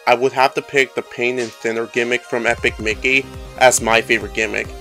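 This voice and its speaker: A man's voice: medium pitch, flat delivery, fairly quick, gravelly, bright, forceful tone. A man giving short prepared commentary on a video game as a guest contributor. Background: music behind the voice.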